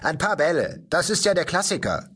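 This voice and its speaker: A man's voice: big pitch swings, normal speed, heavily acted. A man doing a cheeky crowing young boy. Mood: precocious. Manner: crowing, high-pitched mimicry.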